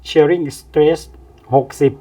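A man teaching an engineering problem step by step, pausing often with fillers as he explains. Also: on the high side, fairly even intonation, mellow. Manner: slow, explains with many pauses and fillers. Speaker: engineering tutor. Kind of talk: step-by-step lecture. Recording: distant, dull lo-fi mic.

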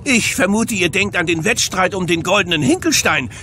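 A man's voice: sits high, expressive, normal speed, sharp tone, slight background noise. A man playing a dim, servile Roman centurion with clumsy grammar, plodding and flustered, in a comic audio drama. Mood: deferential.

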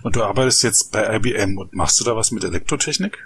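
A man's voice: lowish voice, fast, a bit bright, husky. A man hosting a podcast interview, friendly and direct with his questions. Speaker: podcast host. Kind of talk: casual interview. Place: Berlin.

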